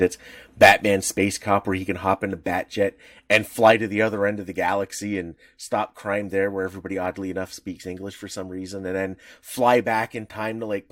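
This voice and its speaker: A man's voice: lowish voice, no room sound, clean studio sound. A man co-hosting a podcast, explaining at length in a casual, rambling way with lots of fillers. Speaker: podcast co-host.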